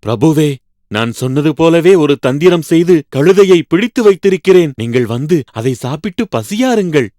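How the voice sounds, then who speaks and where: A man voicing a sly, flattering, treacherous fox in a children's cartoon fable, coaxing and scheming. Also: a little high, normal speed, no echo, studio quality, pitched above the performer's own voice, natural voice. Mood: eager flattery.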